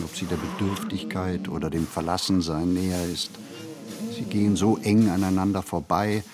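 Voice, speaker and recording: A male actor playing a brooding, observant city wanderer in a literary radio play, speaking in measured, deliberate phrases. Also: low voice, noisy background. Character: brooding, observant male city flaneur narrating his thoughts.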